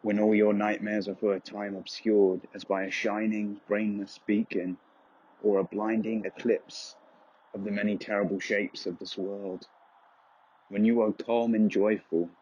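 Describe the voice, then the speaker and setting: A man giving a solemn, brooding, measured dramatic narration of dark poetic prose with a husky voice. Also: fairly low pitch, little pitch movement, dull audio. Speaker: voice-over narrator.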